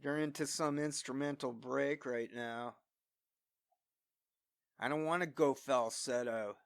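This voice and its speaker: A man's voice: mid-range voice, fairly even intonation, slow pace, creaky, no room sound, clean studio sound. Scratchy-voiced man rambling into a good mic. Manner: self-deprecating, thinking aloud. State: voice scratchy from singing. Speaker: solo vlogger. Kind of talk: unscripted rambling between singing attempts. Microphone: studio-quality microphone.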